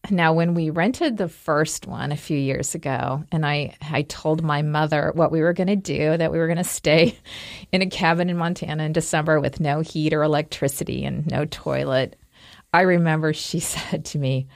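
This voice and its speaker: Gravelly low-voiced woman co-host. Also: fairly even intonation, normal speed, no echo, studio quality. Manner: laughs often, storytelling. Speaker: podcast co-host. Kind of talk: casual chat.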